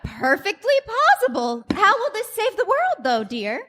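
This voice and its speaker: A woman playing an excitable, naive 1960s housewife and mother in a staged radio play parody, theatrical and melodramatic. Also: very high-pitched, moderate pace, full character voice. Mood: bewildered. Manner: theatrical, breathless exclamations and gasps.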